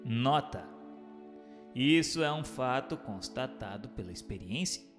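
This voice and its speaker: A man's voice: medium pitch, lively intonation, measured pace. A man giving a formal, declamatory scripted reading as narrator and questioner in a radio drama. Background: faint music.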